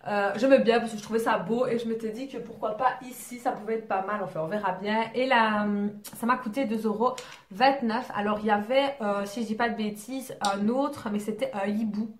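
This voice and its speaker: A woman's voice: on the high side, fairly quick. A young woman in her twenties, chatting casually and rambling a bit as she shows off a shopping haul, self-mocking and full of fillers. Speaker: beauty vlogger. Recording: echoey room, faint noise.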